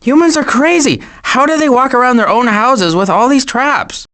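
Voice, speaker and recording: A man voicing a wry, nervous woodland animal in an animated video game, sarcastic and exasperated. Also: very high voice, moderate pace, full character voice.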